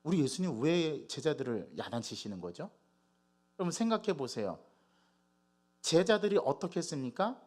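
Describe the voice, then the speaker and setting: Brief: male pastor, Sunday sermon in a church, lively sweeping intonation, slightly high voice, keeps asking the congregation questions. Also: moderate pace, pauses often. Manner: animated, asks the congregation rhetorical questions. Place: church sanctuary.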